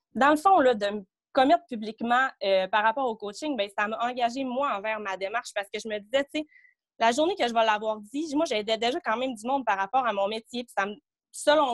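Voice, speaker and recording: With a Saguenay accent, a woman talks at a fairly quick pace and fairly high pitch, her pitch variation ordinary. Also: dry, close sound with no echo. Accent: Saguenay Quebec French. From Quebec, Saguenay. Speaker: new coach. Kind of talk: group video call testimony.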